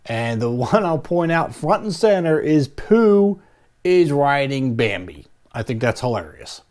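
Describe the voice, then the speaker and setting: A man's voice: a little high, sing-song, unhurried, a little mellow. Casual male movie news host. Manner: chatty, musing aloud, many hedges. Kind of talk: casual commentary on a poster.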